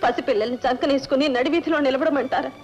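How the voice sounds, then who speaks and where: A woman's voice: high-pitched, steady tone, fast talker, soft background music, close to an everyday voice. An actress playing a torn young wife who pleads anxiously with her husband and her mother. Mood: pleading.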